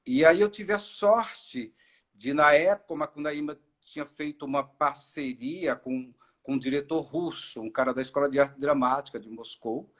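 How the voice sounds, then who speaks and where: A middle-aged man from Ceará, an actor and director, telling his story in a relaxed live-stream interview, with many fillers and restarts. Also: a little high, normal speed. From Ceará, Brazil. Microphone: video call.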